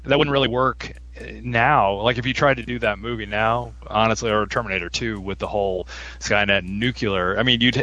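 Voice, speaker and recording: Bright, slightly low-voiced man. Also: fairly even intonation, moderate pace, dry recording, highs cut off. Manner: hesitant, with repeated restarts. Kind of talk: casual chat.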